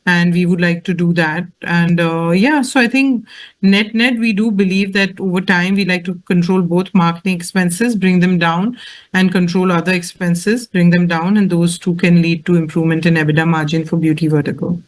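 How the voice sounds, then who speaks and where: A company executive with a measured, explanatory way of talking, answering questions on an earnings call. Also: medium pitch, fairly even intonation.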